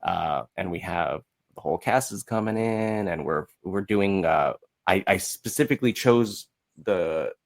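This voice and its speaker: Male podcast guest, low-pitched, informal and unscripted, often feeling around for the right word. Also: a little slow, gravelly. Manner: informal, hesitant, searching for words. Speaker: podcast guest, musical creator. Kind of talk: casual interview chat.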